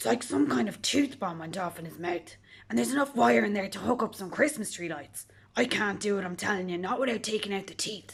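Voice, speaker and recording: In a put-on character voice, a female-sounding speaker talks fairly quickly at medium pitch, sounding gravelly, raspy and whiny. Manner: whining.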